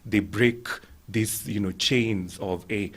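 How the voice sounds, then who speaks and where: A man on a talk show, explaining his views in a measured way with many "you know" fillers. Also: on the low side, steady tone, a bit bright, breathy edge. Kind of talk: reflective discussion on a talk show.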